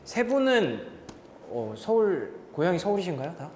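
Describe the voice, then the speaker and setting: A man's voice: sits high, sing-song, normal speed, background noise. A man hosting a career advice talk show who asks the panel short questions and laughs easily. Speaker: host.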